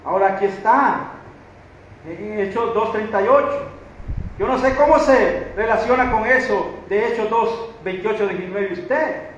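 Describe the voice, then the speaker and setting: High-voiced preacher in an echoing hall. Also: male voice, unhurried. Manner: repeats "may God help us" and tags "right?" to the congregation. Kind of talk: sermon. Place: church hall. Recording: very echoey, muffled church recording with faint noise.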